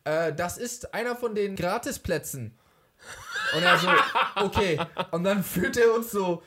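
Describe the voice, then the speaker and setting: A young man co-hosting a podcast, telling an anecdote in relaxed, easygoing chat. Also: high voice, unhurried, background noise. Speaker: podcast co-host.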